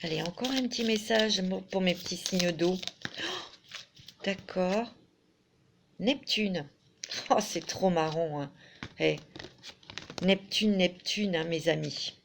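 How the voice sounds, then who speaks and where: A woman's voice: on the low side, slow pace, creaky, pauses often, noisy background. A woman doing a tarot and oracle card reading for her viewers, chatting fondly and reading card messages aloud. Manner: chatty, fond, peppered with "hein", reads card texts aloud. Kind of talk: casual spoken card reading.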